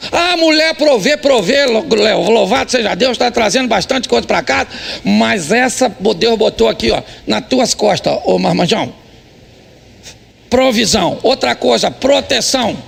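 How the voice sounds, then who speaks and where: A man's voice: extremely high pitch, vocal fry, fairly bright tone, breathy edge. A middle-aged man with a Brazilian Portuguese accent, preaching a humorous sermon in church, teasing the congregation. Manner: joking, teasing, acts out quotes. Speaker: pastor.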